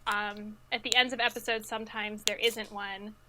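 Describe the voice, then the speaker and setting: A woman's voice: mid-range voice, level tone, normal speed, pushed and bright, a little hiss or hum, low-quality recording. A woman reading out quiz questions and answers and explaining them in a casual way. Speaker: quiz reader, podcast crew member. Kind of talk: casual trivia hosting and explanation.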